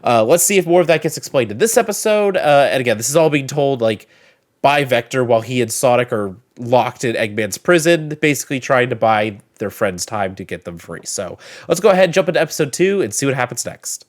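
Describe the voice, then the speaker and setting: A man's voice: medium pitch, lively intonation, a little fast. A man hosting a reaction video with casual, rambling, chatty commentary.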